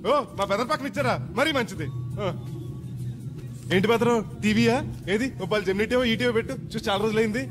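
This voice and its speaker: A loud rustic villager. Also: male voice, very high-pitched, quick pace. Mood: chatty. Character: naive village man on his first flight. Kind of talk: film comedy scene. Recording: film audio with music behind.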